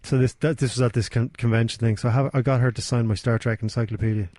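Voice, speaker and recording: Irish man trading deadpan quips. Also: mid-range voice, quick pace, no room sound. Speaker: podcast guest. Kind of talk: casual comedy podcast chat.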